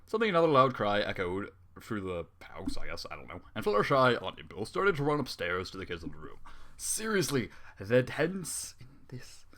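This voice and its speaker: A man's voice: fairly low pitch, huge pitch swings, normal speed, fairly bright tone. A man reading fan fiction aloud with running commentary, exasperated and sarcastic, swearing often.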